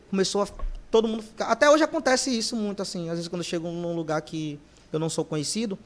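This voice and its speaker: High-voiced man telling stories. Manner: lively storyteller who acts out quoted voices. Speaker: singer, podcast guest. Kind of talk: casual storytelling interview.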